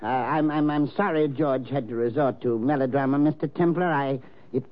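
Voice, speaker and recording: A man's voice: medium pitch, moderate pace, lightly acted. An actor playing a nervous, stammering old male art collector in a 1940s radio drama. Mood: flustered. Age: older. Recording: dull old radio broadcast with faint hiss.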